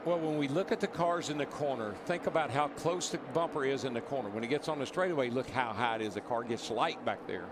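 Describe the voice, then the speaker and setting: A man's voice: mid-range voice, quick pace, hardly any pauses. A man giving informal motorsport commentary in a folksy, exclamatory way. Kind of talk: informal live race commentary. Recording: noisy race broadcast, engine roar. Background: race cars and outdoor track noise.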